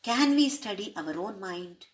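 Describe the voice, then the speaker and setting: Slow, measured woman teaching scripture. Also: medium pitch, animated. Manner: asks rhetorical questions to listeners; uses Sanskrit terms. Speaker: spiritual teacher. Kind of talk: explaining a spiritual text.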